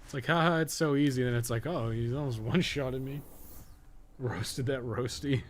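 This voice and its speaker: A man's voice: mid-range voice, moderate pace, slight background noise. A man doing casual live gameplay commentary as a streamer, sweary and sarcastic, often muttering to himself. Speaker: game streamer, podcast co-host.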